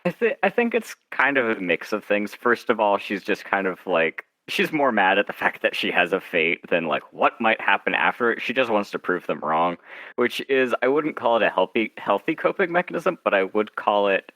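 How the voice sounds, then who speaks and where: A man's voice: lowish voice, sing-song, moderate pace, sharp tone, no room sound, low-quality recording. A man interviewed as a writer, chatting casually and explaining things in a wry, self-interrupting way.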